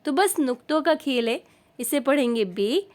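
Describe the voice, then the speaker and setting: A woman's voice: high-pitched, lively intonation, measured pace. A woman teaching a beginner Urdu lesson over an on-screen chart, patiently repeating each point and checking in often.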